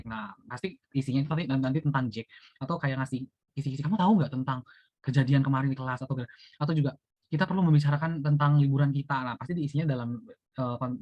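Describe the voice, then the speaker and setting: Young male student presenter, quick casual lecture delivery, dry lo-fi sound. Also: medium pitch, no room sound. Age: young adult. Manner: chatty, many fillers like gitu and eee.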